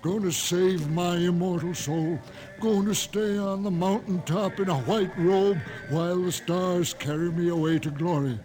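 High-voiced fervent doomsday cultist. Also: male voice, steady tone, measured pace, a little mellow. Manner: preachy, exclamatory, clipped folksy phrases. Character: devout, fervent doomsday cult man, indignant and rapturous. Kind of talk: 1950s radio drama acting. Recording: old radio broadcast with music.

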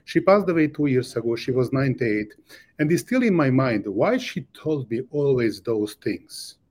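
A man's voice: mid-range voice, expressive, normal speed, a little mellow. A man from Hungary with a Hungarian accent, an earnest startup founder answering interview questions in slightly non-native English.

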